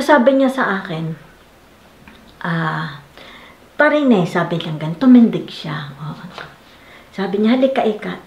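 Filipina woman vlogger telling a personal story. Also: medium pitch. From Philippines. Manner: animated, laughing, quoting her husband. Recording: echoey room with faint noise.

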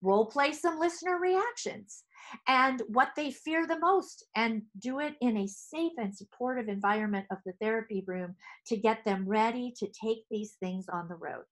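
A middle-aged woman, a speech therapist, presenting to fellow clinicians from her office, talking with lively hand gestures into a headset mic. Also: a little high, normal speed, low-quality recording. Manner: animated, gesturing with both hands. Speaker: speech-language pathologist. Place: home office.

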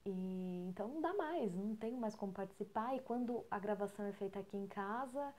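Brazilian woman, Brazilian Portuguese accent, soft near-whisper, mellow tone, storytelling podcast at home. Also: medium pitch, fairly quick. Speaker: podcast co-host. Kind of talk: storytelling talk.

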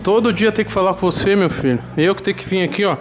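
A man's voice: high voice, fast talker, faint music behind. Slangy young man vlogging. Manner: slangy, upbeat, talks to camera. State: stuffy with a cold. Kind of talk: casual vlog. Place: house indoors and street. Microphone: handheld camera at arm's length.

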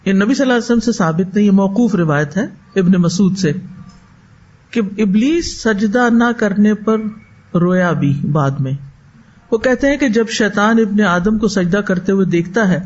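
A woman giving a religious lecture as a teacher, lively and full of rhetorical questions, slowing into chanted recitation of verses. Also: medium pitch. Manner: animated, asks rhetorical questions and answers them. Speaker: Quran teacher. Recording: dull lo-fi recording.

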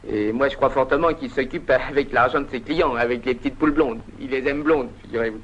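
A man's voice: mid-range voice, brisk, slight background noise, natural voice. An actor playing a gossipy, sly old grandfather in an old comedy film. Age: older. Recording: dull old film soundtrack.

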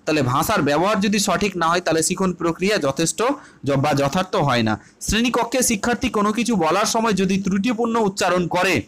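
A man with a high voice and a Bengali accent gives an online exam-prep class. He asks his students questions and answers them himself, repeats each key point and drops English terms into his Bengali. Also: animated, fairly quick, a bit bright. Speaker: teacher.

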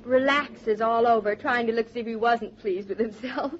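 A woman's voice: fairly high pitch, fairly even intonation, moderate pace, a little hiss or hum, close to an everyday voice. Claudia, a woman playing a bubbly young wife. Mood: excited. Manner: bubbly, impatient, playful. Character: eager excitable young newlywed wife. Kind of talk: 1940s radio acting. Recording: dull old radio transcription.

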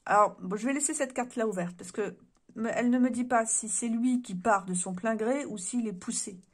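Brisk and slightly rough, a woman's a-little-high voice carries a casual card reading done to camera in an indoor room. She muses with frequent hesitations, and when her voice gives out she clears her throat.

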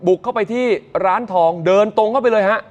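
A man presenting morning news, retelling events in a lively, chatty way and addressing viewers directly. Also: high-pitched, fast talker, muffled recording.

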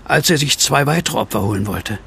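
An actor playing a brooding widower who tells his horror story in an earnest, measured, reflective way in an audio drama. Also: mid-range voice, lively intonation, gravelly, pushed and bright, slight background noise. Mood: urging, excited. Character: brooding widowed man haunted by a werewolf. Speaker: narrator and lead character. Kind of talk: German audio drama acting, first-person narration. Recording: music under the voice.

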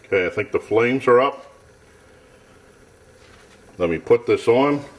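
A man's voice: medium pitch, lively intonation, measured pace, rough recording. A man casually narrating a camping stove test off camera in a cluttered home workshop, thinking aloud in a plain, matter-of-fact way. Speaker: gear tester.

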